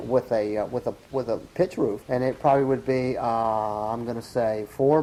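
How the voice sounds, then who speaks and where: A man's plain, everyday voice with an American accent, a moderate pace and ordinary pitch variation. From Hatteras, North Carolina, Outer Banks. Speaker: Outer Banker, local resident recalling net camps. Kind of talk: interview answer, oral-history recollection. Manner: conversational, storytelling, digressive.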